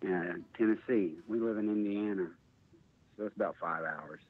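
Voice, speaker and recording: A man's voice: lowish voice, normal speed. A man from the United States, an interview guest giving a casual, hesitant personal account over a phone-like connection. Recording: thin phone-line sound.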